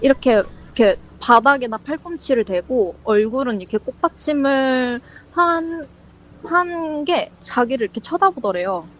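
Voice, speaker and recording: A woman's voice: sits high, expressive, normal speed. A woman casually telling a ghost story as a guest, rambling and full of fillers, acting out the lines she quotes. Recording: dull lo-fi sound.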